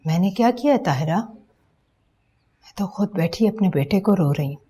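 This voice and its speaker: A woman's voice: mid-range voice, expressive, a little slow, dark tone, husky. A bitter wronged mother. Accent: Pakistani Urdu. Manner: cold, accusing. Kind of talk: TV drama acting.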